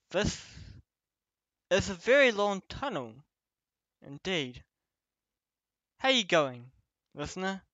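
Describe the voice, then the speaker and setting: A protective young escape companion, played by a man in an ASMR roleplay, speaking very close and dry on a slightly dull recording. The delivery is slow and halting, broken into short phrases that guide and shield the listener. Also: sits high, a bit bright, no echo, exaggerated voice.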